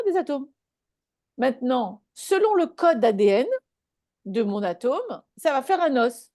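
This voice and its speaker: Woman teaching in a higher, dry voice. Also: no echo. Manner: warm conversational teaching, checks in with listeners. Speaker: spiritual talk host. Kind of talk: live online group talk.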